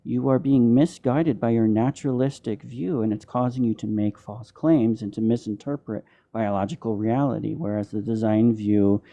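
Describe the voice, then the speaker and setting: Speaking with hardly any pauses, a man with a lowish, dark voice and steady tone argues his position at a moderate pace in a live online debate. He still ums and restarts a lot, heard over a dull, muffled lo-fi call mic that sounds underwater.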